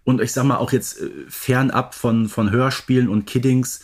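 A man's voice: medium pitch, steady tone, normal speed, a little mellow, slightly rough. A man co-hosting a podcast in casual, unscripted conversation. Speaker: podcast co-host.

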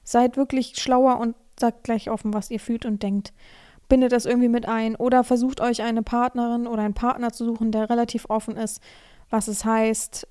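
A woman with a hoarse, mellow, warm voice that sits a little high. She talks frankly to her listeners, giving blunt advice and pausing between thoughts as she reads a letter aloud. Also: flat delivery. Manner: frank, advising listeners directly. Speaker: podcast host. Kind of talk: casual podcast monologue, reading a listener's letter aloud.

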